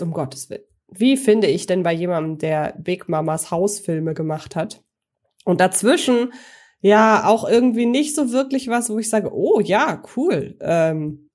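A woman's voice: medium pitch, darkish tone. A woman co-hosting a podcast, chatting as she presents her film picks and their ratings. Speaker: podcast co-host. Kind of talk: casual film chat.

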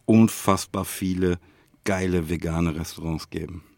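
A man's voice: sits low, fairly even intonation, unhurried, gravelly, a little mellow, dry recording, studio quality. A man co-hosting a casual podcast, talking in slang and often tagging phrases with little questions. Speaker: podcast co-host.

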